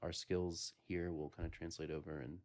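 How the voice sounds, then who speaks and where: A man's voice: deep voice, little pitch movement, normal speed, darkish tone, a little hiss or hum. A man hosting a casual podcast chat, joking and rambling with many restarts. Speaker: podcast host.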